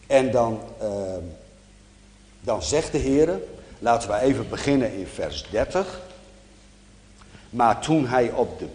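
A male preacher gives a sermon, explaining scripture in a calm, measured teaching voice. He speaks slowly and deliberately, at a mid pitch. The sound is roomy, with a long hall reverb trailing each phrase.

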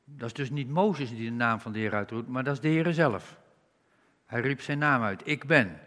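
A man preaching a sermon, reading scripture slowly and with emphasis and rising on key words. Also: mid-range voice, a bit bright. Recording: reverberant hall.

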